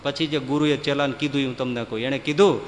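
A man, telling humorous devotional stories to a hall in a lively, folksy way. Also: medium pitch, fast, a little hiss or hum. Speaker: folk storyteller.

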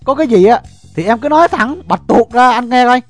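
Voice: mid-range voice, expressive, brisk, faint music behind, close to an everyday voice. A performer voicing a coaxing, bantering young rural boyfriend in an audio story. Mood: exasperated. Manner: bantering, wheedling.

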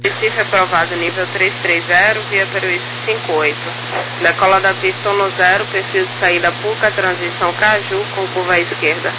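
A woman air traffic controller reading clipped procedural clearances over a crackly, military-style radio. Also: medium pitch, fairly even intonation, moderate pace. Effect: radio transmission. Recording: very noisy crackly aviation radio.

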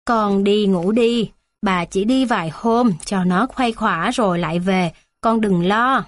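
A woman's voice: fairly high pitch, animated, moderate pace, no echo, clean studio sound, natural voice. A woman voicing an old grandmother who is remorseful and then hurt and reproachful, pleading with her son. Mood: soothing.

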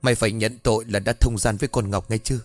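A man voicing a cruel, sharp-tongued older woman who rules a household, in a spoken ghost story. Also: lowish voice, fairly even intonation, quick pace, soft background music, natural voice. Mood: menacing. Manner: harsh, sharp-tongued scolding.

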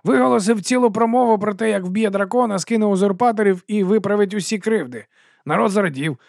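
A man voicing a shifty street vendor who talks in a loud, wheedling sales patter. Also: sits high, brisk, creaky, no room sound, studio quality, voice pushed up. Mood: hawking. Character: shifty pushy male street sausage vendor.

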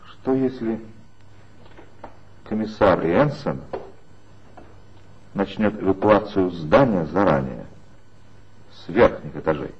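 A man's voice: low-pitched, animated, takes it slowly, pauses often, highs cut off, slight background noise, heavily acted. An actor playing a cautious male police colleague in a 1960s radio play who asks hesitant, worried questions.

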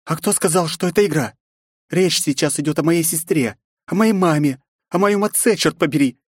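A man's voice: a little high, moderate pace, a little mellow, slightly rough, dry recording, clean studio sound, pitched above the performer's own voice. A man voicing a fierce, defiant young princess in an audiobook, raising his voice to play her. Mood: determined. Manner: mocking, defiant.

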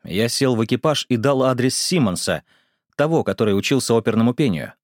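A man reading an audiobook as narrator, in an even, measured way. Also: mid-range voice, no echo, clean studio sound.

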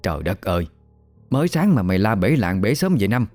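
A man voicing a calm older village woman in a storybook, reassuring her neighbor. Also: on the low side, fairly quick, soft background music.

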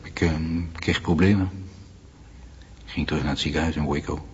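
A man's voice: very deep voice, fairly even intonation, moderate pace. A man playing a subdued ex-convict who gives terse, deferential answers in a radio drama. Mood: subdued, compliant. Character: subdued, compliant male ex-convict under questioning. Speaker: actor playing a questioned convict. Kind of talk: Dutch radio documentary drama acting. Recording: dull, echoey hall with noise.

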